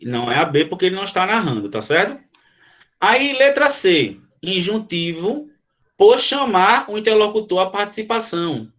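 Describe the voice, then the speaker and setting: A male teacher lecturing to students, often pausing to ask if they follow and explaining with quick examples. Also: high voice, sing-song, fairly bright tone. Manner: frequent checking questions to students. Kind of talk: classroom lecture.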